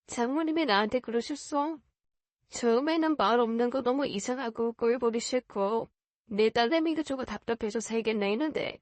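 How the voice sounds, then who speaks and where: A woman voicing a quiet young fiancé. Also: fairly high pitch, no echo, natural voice. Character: quiet young male fiancé, gentle and earnest.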